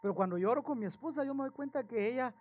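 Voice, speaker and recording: Animated preacher man. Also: very high voice, very fast, muffled recording. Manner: animated storytelling with acted quotes and questions to the congregation. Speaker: pastor. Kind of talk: sermon.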